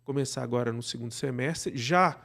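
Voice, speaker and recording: A Brazilian man speaking as an interview guest, explaining things casually and haltingly, often checking that he is followed. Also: medium pitch, gravelly, a bit bright. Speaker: podcast guest, radio drama producer.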